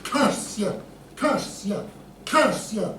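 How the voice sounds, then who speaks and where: A man playing an excitable, rambling comic Aladdin with a Scottish accent in a sketch. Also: sits high, very slow, heavily acted. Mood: indignant. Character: rambling excitable Aladdin, a pantomime storyteller with faux French airs. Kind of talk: comic radio-sketch banter. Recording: roomy, distant mic, faint noise.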